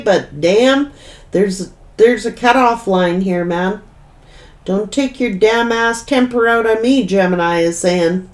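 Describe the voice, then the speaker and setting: A woman tarot reader speaking to her viewers with a blunt, scolding edge. She talks slowly and draws out her words, pressing each point home with repetition and the odd swear word. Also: medium pitch. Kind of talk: tarot reading to camera.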